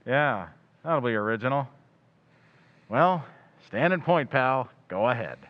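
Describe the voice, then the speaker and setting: A man's voice: medium pitch, animated, unhurried, close to an everyday voice. A man playing a breezy, wisecracking crime photographer in an old-time radio drama, with a casual, wry, slangy delivery. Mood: wry, offhand. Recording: slightly dull, lo-fi sound.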